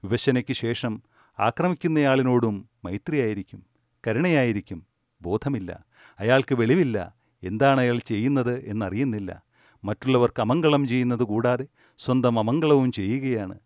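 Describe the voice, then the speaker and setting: Calm man giving a dry, close spiritual talk. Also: medium pitch, normal speed, dry recording. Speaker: meditation teacher. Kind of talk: spiritual discourse.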